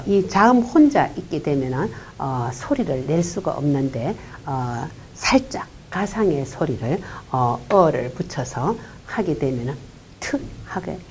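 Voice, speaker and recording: Woman, English pronunciation teacher. Low, dark voice with a lively melody. Patient lecturing with many fillers. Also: slight background noise. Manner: unhurried explaining with frequent "uh" fillers; quietly voices single consonant sounds. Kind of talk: classroom-style pronunciation lecture.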